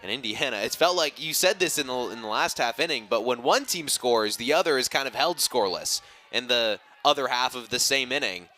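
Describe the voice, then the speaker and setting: A man's voice: mid-range voice, expressive, brisk, few pauses, pushed and bright. A man giving conversational sports analysis as a color commentator.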